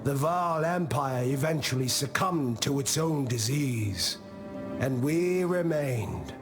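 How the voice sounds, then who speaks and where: An old tribal diplomat from a fantasy video game. He speaks very slowly at a medium male pitch, weighing his thoughts like a patient, philosophical teacher with a gently stern side. Music plays clearly behind the voice. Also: expressive. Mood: grave, reflective. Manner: measured, solemn, philosophical storytelling. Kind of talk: scripted video game character monologue.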